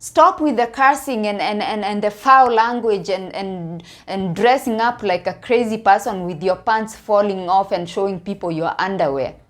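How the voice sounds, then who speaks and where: A woman from Kenya with a Kenyan accent, talking casually to viewers about her opinions in a halting way, repeating words for emphasis. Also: mid-range voice. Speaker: online video commentator.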